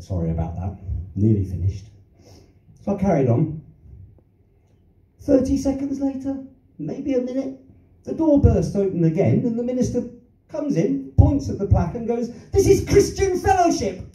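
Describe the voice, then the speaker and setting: A man's voice: very high-pitched, very animated, measured pace, warm tone. An older man from London doing a stand-up routine on a small theatre stage, rambling through anecdotes with self-deprecating asides and chuckles. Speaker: stand-up comedian. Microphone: handheld mic, filmed from the audience. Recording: roomy, distant, dull audience recording.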